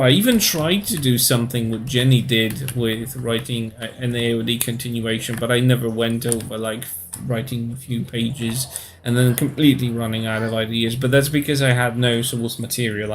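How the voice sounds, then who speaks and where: Polish guy in his 30s chatting on stream, accent, lots of pauses while he hunts for words. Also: medium pitch, fairly even intonation, slight background noise. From Poland. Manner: hesitant, pausing to search for words. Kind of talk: casual live-stream chat.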